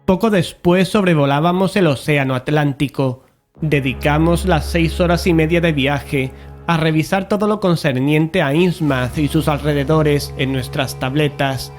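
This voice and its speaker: Higher-voiced Spanish man telling a horror tale as an actor. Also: close to an everyday voice. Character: male investigator recounting a cosmic horror expedition. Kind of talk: scripted audio drama narration.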